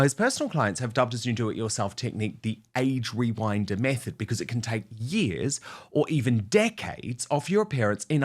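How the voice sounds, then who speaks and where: A middle-aged man from New Zealand hosting an opinionated talk show, talking in an emphatic, animated way. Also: medium pitch. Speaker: host.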